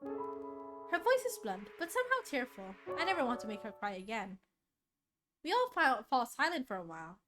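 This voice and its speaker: High, expressive woman streamer over music. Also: normal speed. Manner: expressive, acts out character dialogue. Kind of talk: reading a visual novel aloud on stream. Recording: loud game music behind. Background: game music.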